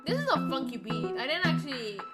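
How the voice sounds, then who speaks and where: Female streamer, fairly high voice, expressive visual-novel narration, music behind. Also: fairly quick. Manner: expressive storytelling. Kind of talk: reading a visual novel aloud, dramatic narration.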